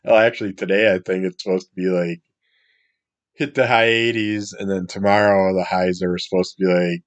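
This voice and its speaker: A middle-aged man, hoarse and congested from a cold, rambling casually as he opens a comic book review and often trails off into mumbles. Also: deep voice, little pitch movement, normal speed, muffled recording. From Wisconsin. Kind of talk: casual solo review chat.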